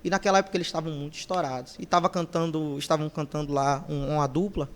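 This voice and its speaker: A male singer, a podcast guest, telling his story in a casual interview and lively acting out the voices of people he quotes. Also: on the high side, fast talker.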